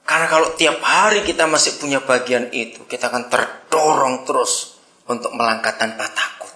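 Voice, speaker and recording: A male pastor preaching a sermon in a lively, teasing way, laughing along with his congregation. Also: mid-range voice, normal speed, reverberant.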